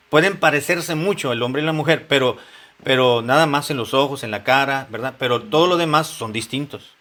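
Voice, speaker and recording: Male pastor, bright forceful tone, chatty sermon delivery with questions to the room. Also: fairly high pitch. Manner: conversational preaching with questions to the congregation and frequent repetitions. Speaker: pastor teaching a Bible study. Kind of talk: sermon-style Bible teaching to married couples.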